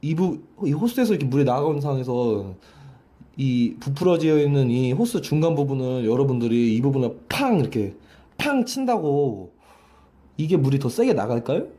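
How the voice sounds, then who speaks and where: A man's voice: medium pitch, big pitch swings, normal speed, dark tone. A man teaching a voice lesson, explaining breath pressure with a hose demonstration, often repeating and restarting his phrases. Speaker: vocal coach.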